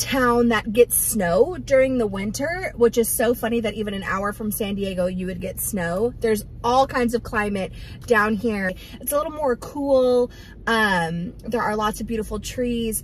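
Amid light background noise, a woman speaks at a moderate pace with ordinary pitch variation, in a dry sound with no echo. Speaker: vlogger. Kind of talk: casual vlog chat. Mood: relaxed, chatty. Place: car. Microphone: phone near.

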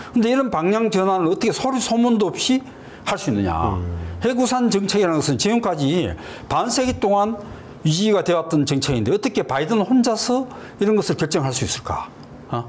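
Speaking at a fairly quick pace, a man with a high voice swings very widely in pitch. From South Korea. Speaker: retired professor and anti-nuclear activist; retired professor. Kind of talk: interview. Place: studio. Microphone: lapel.

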